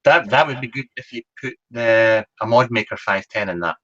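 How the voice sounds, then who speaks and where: A man's voice: mid-range voice, normal speed, a bit bright. A man from Fife with a Scottish accent, chatting casually and hesitantly as a guest on a livestream. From Fife, Scotland. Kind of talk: casual chat. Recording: dull, lo-fi online call audio.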